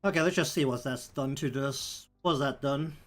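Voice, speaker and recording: Kiwi guy w a thick nz accent, mid pitched voice, rambly stream chat, music playing behind him. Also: normal speed, fairly bright tone. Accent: broad New Zealand. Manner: rambling, thinking aloud. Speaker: live streamer. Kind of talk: casual livestream chat while working. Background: background music.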